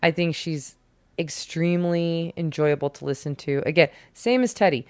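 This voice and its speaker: A woman co-hosting a book podcast, leading the chat in a brisk, laughing way. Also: sits low, steady tone, a little mellow, clear, resonant tone, no room sound. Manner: brisk, leads the segment, laughs often. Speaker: podcast co-host. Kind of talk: casual chat.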